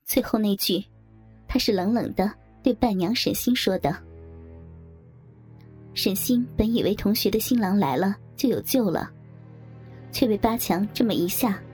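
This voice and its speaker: A woman giving a steady, expressive scripted first-person narration of a story. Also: medium pitch, unhurried, long pauses, soft background music.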